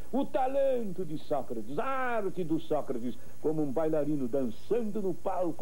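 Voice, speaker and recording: A man speaks at a moderate pace with a fairly high pitch and very wide pitch swings. Noticeable background noise runs underneath. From Brazil, São Paulo state. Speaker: radio football commentator. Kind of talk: sports radio commentary recreation. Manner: dramatic, poetic.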